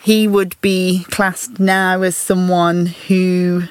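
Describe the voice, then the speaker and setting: A woman with a Birmingham accent shares her story on a podcast in a low, grounded voice. She talks thoughtfully and candidly and laughs now and then. The sound is dry and close. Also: level tone, extremely slow, clean tone, no room sound. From English Midlands. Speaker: podcast guest. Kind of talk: candid reflective conversation.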